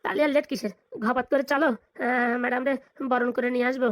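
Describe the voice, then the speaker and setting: A performer voicing a fawning, flattering lawyer sidekick in a comedy cartoon, eager and colloquial. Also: mid-range voice, fast talker, dry recording, close to an everyday voice. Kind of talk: exaggerated cartoon comedy dialogue.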